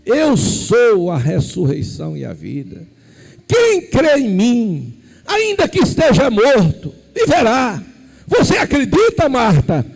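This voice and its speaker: A male pastor voicing a calm, gentle Jesus, speaking soft, low and slow within his sermon. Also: creaky, heavily acted. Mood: tender.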